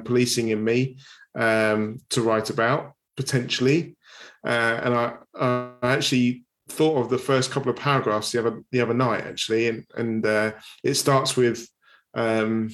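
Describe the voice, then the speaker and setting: A man's voice: medium pitch, a bit bright. A man hosting a casual interview, friendly and a little hesitant as he restarts his questions. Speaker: interview host.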